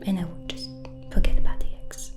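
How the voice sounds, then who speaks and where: A woman playing a gentle, chatty white witch from the forest in a soft, breathy, unhurried ASMR whisper. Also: loud music behind the voice, natural voice. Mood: gentle, advising.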